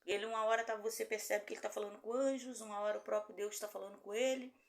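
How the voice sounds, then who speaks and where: A middle-aged Brazilian woman pastor preaches a sermon in a steady tone, talking fast with a Brazilian Portuguese accent. She tells a story and acts out the voices of its characters, her pitch rising on the dialogue. The room is echoey.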